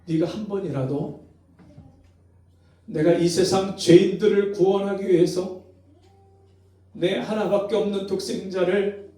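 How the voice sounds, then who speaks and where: A preacher voicing God as a gentle father. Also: sits high, steady tone, unhurried, pauses often, voice pushed up. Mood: tender reproach. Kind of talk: acted quote in a sermon. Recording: very echoey hall, mic far off.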